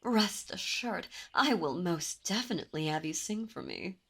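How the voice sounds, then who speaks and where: A woman voicing a dominant, possessive demon princess in an ASMR roleplay, speaking in a silky, commanding way with soft whispers. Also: lowish voice, lively intonation, normal speed, husky, full character voice. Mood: seductive. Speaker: voice actor. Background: birdsong and ambient sound effects.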